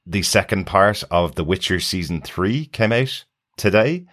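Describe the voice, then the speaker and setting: Very deep-voiced male podcast host. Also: expressive, measured pace, fairly bright tone. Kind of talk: casual hosting with announcements.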